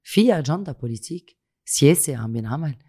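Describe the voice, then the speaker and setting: A man's voice: on the high side, lively intonation, fast, warm tone. A man with a Lebanese Arabic accent in a conversational political discussion, speaking emphatically with repeated phrases, rhetorical questions and some French and English words mixed in.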